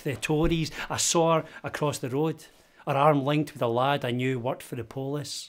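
A man with a Scottish accent speaks at a moderate pace and a fairly high pitch, his intonation fairly even. The background is quiet. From Scotland. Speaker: poet. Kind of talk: spoken-word poem performance, rhythmic and rhyming. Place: studio.

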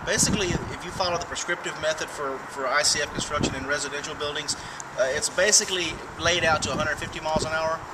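Loud background noise sits behind a man talking at a very fast pace. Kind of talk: interview answer. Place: street. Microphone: camera far.

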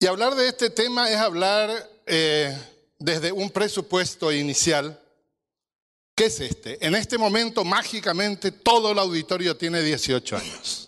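With lively intonation, a man speaks at a fairly slow pace in a high pitch. His tone is bright and sharp over a quiet background. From Paraguay. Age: 60s. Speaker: history teacher and historian; teacher. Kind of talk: panel talk to an audience; public talk. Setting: stage with audience. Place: stage. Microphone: handheld.

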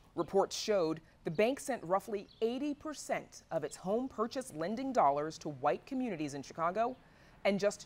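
A woman's pitch swings very widely. She speaks at a moderate pace. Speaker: news anchor. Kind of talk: news reading. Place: studio. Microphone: lapel.

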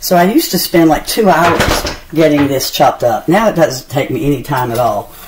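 With an American accent, a woman speaks in a very deep, low voice at a moderate pace, with lively intonation, hardly any pauses and noticeable background noise. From Charlotte, North Carolina, US South. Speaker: cooking video creator. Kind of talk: cooking tutorial. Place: kitchen. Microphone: phone near.

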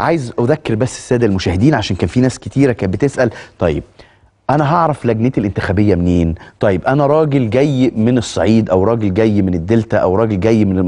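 Against a quiet background, a man talks at a fairly quick pace in a dark, mellow tone. His intonation is lively. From Egypt. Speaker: TV presenter. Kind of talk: TV talk show address to viewers. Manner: conversational, repetitive. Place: studio.

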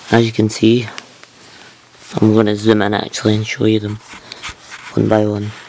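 A man's fairly low-pitched, monotone, flat voice with long, frequent pauses and light background noise. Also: moderate pace. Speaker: YouTuber showing a book collection. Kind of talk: casual show-and-tell video. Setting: recording close behind a camera. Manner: loud; hesitant, many ums. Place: home room. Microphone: phone near.

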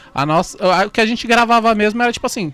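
A man speaks in a dry sound with no echo. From Carapicuíba, São Paulo state, Brazil; São Paulo state, Brazil. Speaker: DJ and music producer; DJ, guest. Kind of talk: casual interview. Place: studio. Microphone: studio mic.

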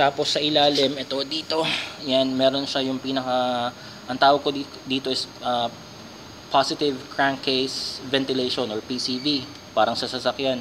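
A man's monotone, flat delivery at a moderate pace, over noticeable background noise. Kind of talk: casual vlog chat. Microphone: phone near.

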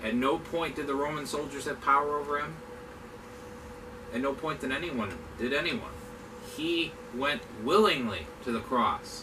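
A man speaks at a moderate pace with ordinary pitch variation and long, frequent pauses over noticeable background noise. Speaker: pastor. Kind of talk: sermon. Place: church. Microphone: camera far.

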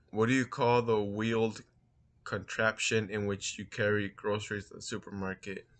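With an American accent, a man talks at a moderate pace in a fairly low pitch with monotone, flat intonation. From East Los Angeles, California. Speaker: military veteran. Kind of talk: casual talk to camera. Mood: relaxed, playful, laughing. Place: home room. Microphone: webcam.

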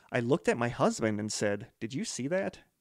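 A man with a Wisconsin accent, medium pitch, and a moderate pace, on a very clean recording with a silent background. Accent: Upper Midwest American (Wisconsin). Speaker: podcast co-host. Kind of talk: casual chat. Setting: studio.

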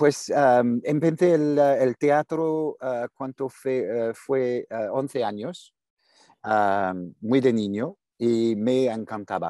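A man with a non-native accent speaks at a very slow pace in a dark, mellow tone. His pitch varies in an ordinary way, and the sound is dry with no echo against a quiet background. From France. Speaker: voice actor. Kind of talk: interview. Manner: halting. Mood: relaxed, friendly. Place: home room. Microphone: video call.

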